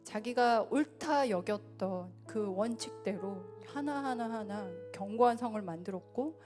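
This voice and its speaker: A woman preaching a sermon in a church, earnest and swelling louder then dropping soft. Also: a little high. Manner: earnest, rises and falls in loudness. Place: church sanctuary.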